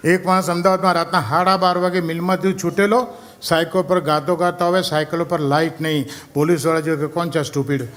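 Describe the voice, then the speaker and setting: A man's voice: fairly high pitch, a little fast. A male stand-up comedian telling stories, acting out characters and singing snatches of songs. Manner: animated, acts out characters and sings snatches of songs.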